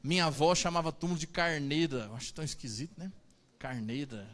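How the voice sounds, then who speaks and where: Brief: male Catholic priest, fairly high voice, chatty joking sermon with many "né?" asides. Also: fast talker, a bit bright. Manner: chatty and joking, asks the audience "né?".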